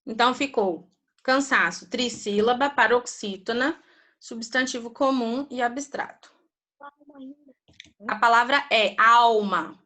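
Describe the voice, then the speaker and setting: A woman's voice: a little high, slow, pushed and bright. A woman teaching a primary school class on a video call, patiently drilling grammar terms with her students.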